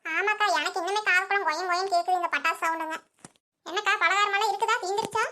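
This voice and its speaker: A woman's voice: very high voice, fairly even intonation, quick pace, sharp tone. A woman voicing chatty village women in a cartoon, fussing, gossiping and scolding. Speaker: cartoon character.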